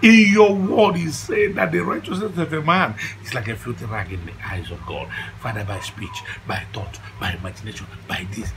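A man's voice: medium pitch, normal speed, few pauses, very noisy, lightly acted. Man acting a pleading, dramatic devout Nigerian father. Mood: pleading, fervent. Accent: Nigerian Igbo. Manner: theatrical, repetitive, pleading, mixes English and Igbo. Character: devout older father, dramatic repentant sinner, easily indignant. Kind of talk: comedy film acting with loud pleading prayer.

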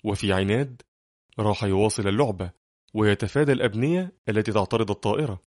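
A man narrates an audiobook in a measured, steady way. His voice sits fairly low, and the close studio mic keeps it dry and free of room sound. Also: no room sound. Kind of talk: scripted narration.

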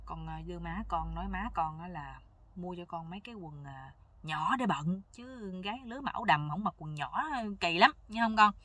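A woman telling a comic folk tale in a casual, lively way, acting out the characters' lines. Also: on the low side, moderate pace, no room sound. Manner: lively, playful, acts out every character's lines. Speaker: storyteller. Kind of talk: casual spoken folk joke storytelling.

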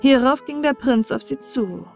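A woman's voice: high voice, animated, moderate pace, gravelly. A woman reading a scripted fairy tale as an audiobook narrator, in bedtime storybook style. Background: music behind the voice.

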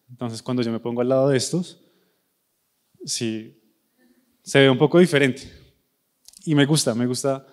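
A man's voice: medium pitch, a little mellow. A young man from Bogotá with a Bogotá Colombian accent, an architect giving a conversational university talk on stage with a handheld microphone, addressing students directly. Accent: Bogotá Colombian Spanish. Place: large dark auditorium stage.

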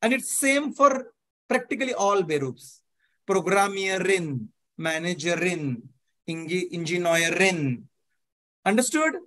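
Over a video call from an indoor room, a man in his thirties with an Indian English accent teaches a live online German class, checking often that students follow and mixing in Hindi as he explains step by step. His voice is high, animated, and unhurried, pushed and bright, in a rough recording.

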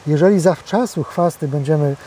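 A man explaining farm equipment in a casual interview outdoors in a field, in a steady, explanatory way. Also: a little high, normal speed, breathy edge.

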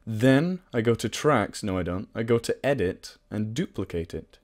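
A man presenting a casual software tutorial in an informal, self-deprecating, sweary way. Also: lowish voice, lively intonation, moderate pace.

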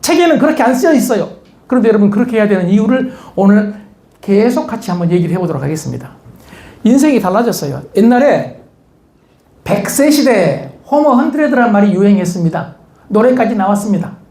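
A man with a notably high voice delivers a lively motivational lecture to a live audience. He teases the crowd, throws rhetorical questions at them and jokes along the way. The sound rings with the echo of a large lecture hall. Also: fast talker.

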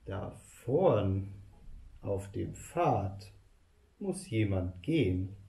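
Man doing a big dopey monster, low and gruff, dark tone, echoey. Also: sing-song, very slow, far from the mic, full character voice. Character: big clumsy monster, easily fooled. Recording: roomy echo.

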